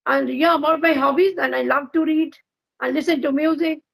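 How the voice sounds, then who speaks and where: A woman's voice: sits high, steady tone, moderate pace, gravelly, fairly bright tone. A woman with an Indian English accent hosting an English practice video call, asking friendly, encouraging questions. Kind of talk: casual video call chat.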